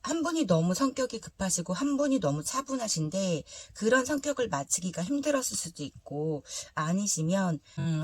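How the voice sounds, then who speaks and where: A woman hosting a tarot reading, hoarse from a throat cold, speaking politely and conversationally as she explains to viewers. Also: medium pitch, a little mellow, no echo. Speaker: tarot reader, channel host.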